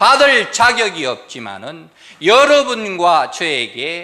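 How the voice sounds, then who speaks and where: A man projects a raised voice at a high pitch, bright and sharp in tone. His pace is very slow and his pitch swings very widely. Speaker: guest preacher. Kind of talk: sermon. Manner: animated.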